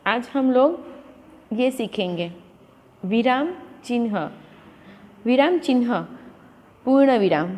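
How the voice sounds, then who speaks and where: In a classroom, a woman patiently explains a lesson to children, blending Hindi with English words. Her pitch is fairly high and her tone darkish, and long reverb echoes around her.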